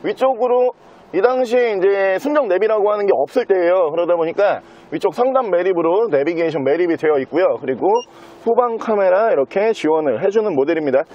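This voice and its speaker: A man with a very high-pitched voice presents a used car as its dealer. He delivers a fluent sales patter, moving through the walkaround like a practised car salesman. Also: animated, a little fast, a little mellow, highs cut off.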